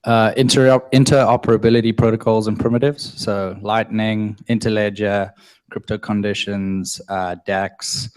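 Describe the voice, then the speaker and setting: A man's voice: fairly low pitch, flat delivery, moderate pace, a little mellow, clear, resonant tone. A man leading a discussion table, listing its topics with hesitations.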